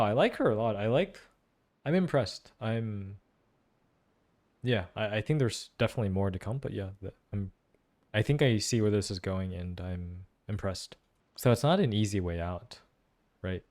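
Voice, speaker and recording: Low-voiced young man, casual game reactions. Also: a little mellow. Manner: informal, musing. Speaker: gaming content creator. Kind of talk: casual playthrough reaction and commentary. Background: faint game music.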